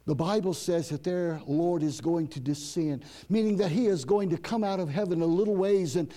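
An older man preaching a sermon. His voice sits unusually high for a man, and he drives his points home with emphatic, repeated phrases, stumbling and restarting as he builds. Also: moderate pace, dark tone. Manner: preaching with rising, emphatic repetition. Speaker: pastor. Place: church.

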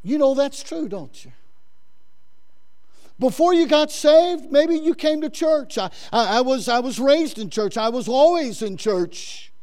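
A man's voice: very high voice, expressive, a little slow, a little mellow. A middle-aged male pastor preaching a sermon fervently, often stumbling into repeated words, with a big voice.

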